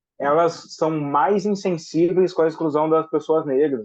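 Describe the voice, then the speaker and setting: The man's pitch is fairly high. He talks at a moderate pace. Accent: interior São Paulo. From Brazil, interior of São Paulo state near Minas Gerais. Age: 30s. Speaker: author. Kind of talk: podcast interview. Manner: casual, slangy.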